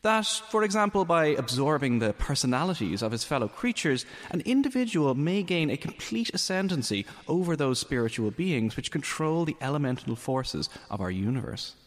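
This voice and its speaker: Male actor as murderous Georgian scholar, audio drama, formal, deliberate, lively melodic delivery, cavernous reverb. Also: fairly high pitch. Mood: pompous, self-assured. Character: coldly murderous, pompous gentleman scholar of the early 1800s. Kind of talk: audio drama monologue, reading a written confession. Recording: long reverb with music.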